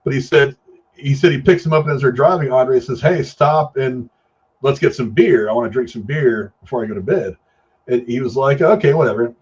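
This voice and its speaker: A man's voice: medium pitch, brisk, a little mellow, husky, highs cut off. A man co-hosting a casual film chat, telling rambling anecdotes in slangy, profane language. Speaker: podcast co-host.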